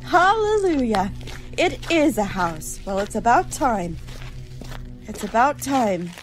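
A woman's voice: fairly high pitch, big pitch swings, slow pace, soft background music, poor audio. A woman playing a weary, sarcastic young college student in a radio play, blunt and grumbling.

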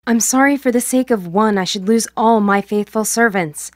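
A woman's voice: mid-range voice, moderate pace, no room sound, studio quality, lightly acted. A woman playing a regal, scheming queen in a storybook drama, speaking formally in stately old-fashioned phrases. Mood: regretful. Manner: formal, stately archaic speech.

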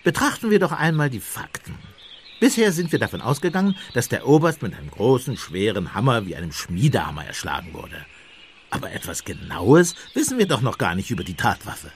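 An actor playing a calm, shrewd Catholic priest who reasons politely and in measured words in an audio drama. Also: male voice, mid-range voice, slight background noise. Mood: reasoning. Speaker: actor in a radio play. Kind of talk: German audio drama acting.

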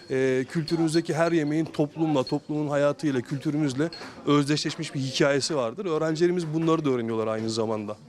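Higher-voiced man explaining formally. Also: a little mellow. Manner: halting, measured, formal wording. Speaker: language program instructor.

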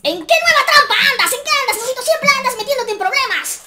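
A man's voice: extremely high pitch, expressive, fast talker, over a noisy crowd. A man voicing a suspicious, teasing muscular buddy in an improvised game roleplay.

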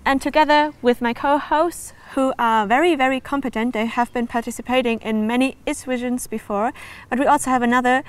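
A woman's voice: high voice, steady tone, a little fast, clean tone. A woman in her twenties presenting and interviewing casually as a show host. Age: 20s.

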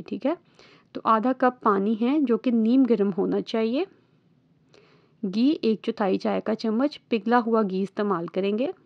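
A woman's voice: medium pitch, no echo, muffled recording. Woman, Lahori accent, patient step-by-step cooking host, close dry voice-over. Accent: Lahori Urdu-Punjabi. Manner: patient step-by-step instructing, often checking in with listeners. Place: voice-over recorded apart from the kitchen footage.

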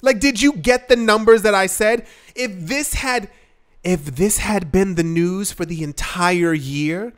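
A man talking casually to camera as a crypto investing vlogger, earnest and emphatic, rambling with many fillers and restarts. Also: high-pitched. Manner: earnest, emphatic, shifts pace often.

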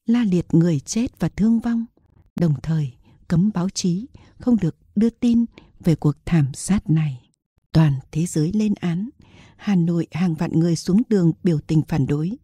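Woman, audiobook narrator, steady storytelling, husky, very dark tone. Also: fairly low pitch, dry recording, studio quality. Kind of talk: scripted novel narration.

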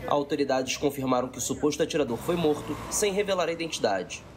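A man's voice: on the high side, animated, fast talker, slight background noise. A Brazilian man narrating a scripted news report as a voice-over.

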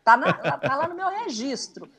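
Woman, 30s, Minas Gerais accent, enthusiastic guest on a video call, slightly high voice. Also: big pitch swings, moderate pace, fairly bright tone. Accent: Minas Gerais Portuguese. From Brazil. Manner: chatty, enthusiastic, lots of fillers. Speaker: guest musician. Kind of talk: casual TV chat. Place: small room indoors. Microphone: laptop video call.

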